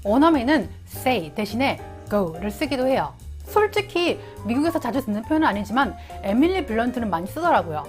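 Lively woman explaining English. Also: a little high, fairly quick, hardly any pauses, faint music behind. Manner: friendly, explains English usage in Korean. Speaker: YouTube English teacher. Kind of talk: casual explanatory vlog.

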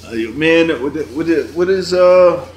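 A man's voice: a little high, steady tone, slow pace, a little hiss or hum. A man hosting a casual podcast, talking loosely with many restarts and laughs. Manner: loose, rambling, laughs often. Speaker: podcast host. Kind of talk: casual chat.

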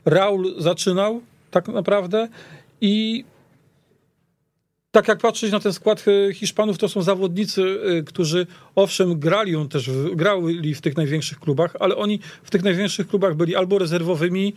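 A man discussing football as a studio guest, speaking haltingly and repeating words as he goes. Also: high voice, dry recording. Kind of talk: casual analytical discussion. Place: radio studio.

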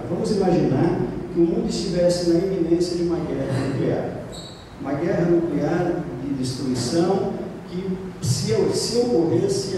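A middle-aged Brazilian man with a Brazilian Portuguese accent delivers a spiritist lecture at a stand mic, speaking steadily and climbing in pitch to stress his points. His voice is dark and mellow, a little high for a man. The recording is heard from across a reverberant hall with a faint rumble underneath. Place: lecture room at a spiritist center. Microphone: stand mic, filmed from across the room. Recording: echoey hall from far off.

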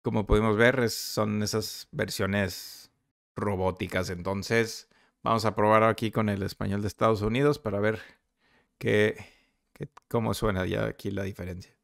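A man giving a casual, somewhat halting software review as a screen-recorded tutorial. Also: fairly low pitch, steady tone, creaky, no echo, studio quality.

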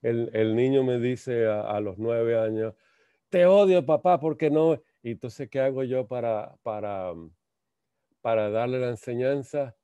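A man slowly lecturing on a spiritual text, halting and repeating words, asking rhetorical questions. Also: mid-range voice, steady tone, dark tone, clear, resonant tone, no room sound. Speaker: lecturer on theosophy. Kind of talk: slow reflective spiritual lecture. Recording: muffled lo-fi dry sound.

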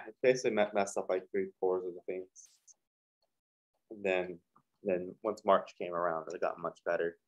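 Young guy rambling casually between clips, lowish voice, muffled lo-fi sound. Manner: rambling, full of fillers and restarts. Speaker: reaction video host. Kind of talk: casual reaction commentary. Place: small hot home studio with a fan running. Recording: dull lo-fi sound.

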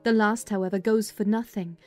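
Playing a practical, skeptical servant woman who chides and advises her young mistress in a dramatized audiobook, this woman sounds dry and questioning. Her natural, darkish mid-range voice holds a steady tone at a slightly quick pace, with music under it.

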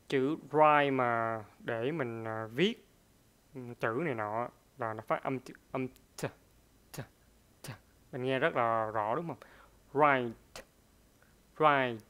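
A man teaching a pronunciation lesson in a smooth, resonant voice at a middle pitch. He hesitates, fills pauses with small sounds, and says each example word over and over to model it. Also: a bit bright. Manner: hesitant, many fillers, repeats words slowly to demonstrate.

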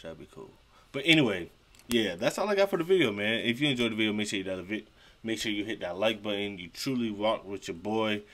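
A young man giving casual, slangy reaction commentary at home, repeating phrases for emphasis. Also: on the low side. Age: young adult. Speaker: reaction video host. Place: small room at home, indoors, seated at desk.

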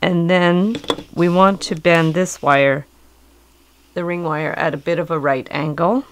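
A middle-aged woman, hoarse from a cold, calmly and patiently explaining a jewelry-making craft step by step at a work table. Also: on the low side, unhurried, slight background noise, poor audio. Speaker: jewelry tutorial host.

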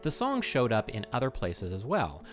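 A man in his thirties talking casually to camera in an animated way, explaining as a video host, close to a microphone in a small home room. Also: mid-range voice, normal speed, soft background music. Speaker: video host and game music composer. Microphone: microphone on a stand close in front.

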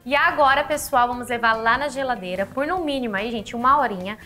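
Woman, 30s, from Brazil, kitchen show host, raised pitch, chatty and warm, faint music bed. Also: brisk. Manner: chatty, affectionate, calls viewers "my loves". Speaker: cooking channel host. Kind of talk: upbeat recipe tutorial. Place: home kitchen, indoors.

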